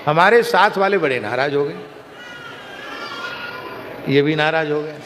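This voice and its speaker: This katha preacher relates religious stories and vivid anecdotes in a slightly high voice at a measured pace. There's some chatter behind him, and the hall is reverberant with faint noise.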